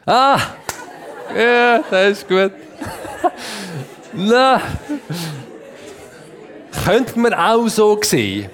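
Brief: male children's preacher, Swiss German accent, slightly raised voice, animated storytelling with questions to the kids. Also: sits high, extremely slow, pauses often, a faint crowd. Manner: playful, asks the audience questions. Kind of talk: lively storytelling sermon for children.

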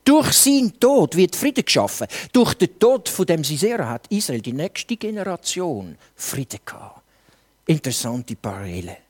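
Preacher, Swiss German accent, earnest sermon delivery, rhetorical questions, middle pitch, animated intonation. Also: moderate pace. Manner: earnest, rhetorical questions, direct address to listeners.

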